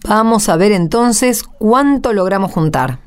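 A woman's voice: mid-range voice, animated, measured pace, close to an everyday voice. A woman with an Argentine accent playing an earnest, patient village mother in a radio drama. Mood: practical.

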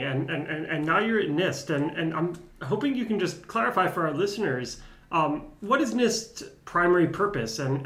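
Man, co-host, stumbling question, higher pitch, echoey room recording. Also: a bit bright. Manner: stumbling, repeats words. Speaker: podcast co-host. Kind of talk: interview question.

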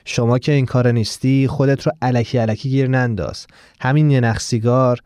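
A man's voice: mid-range voice, fairly even intonation, clean tone, no echo, clean studio sound, close to an everyday voice. A man voicing a fatherly newspaper seller. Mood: advising. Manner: gently lecturing, giving friendly advice. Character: fatherly middle-aged male newspaper seller. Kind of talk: audiobook character voice.

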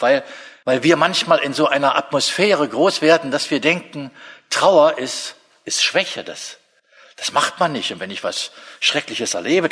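A middle-aged man preaching a sermon in a lively, humorous way, speaking straight to his listeners. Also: mid-range voice, slightly rough. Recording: long hall reverb.

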